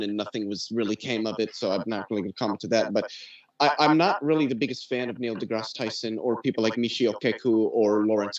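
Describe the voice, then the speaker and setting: A man weighs his words carefully and often repeats himself as he works out what to say. His tone is measured and even. The recording sounds dull and lo-fi. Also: medium pitch. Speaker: debater. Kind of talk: debate commentary. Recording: dull lo-fi audio.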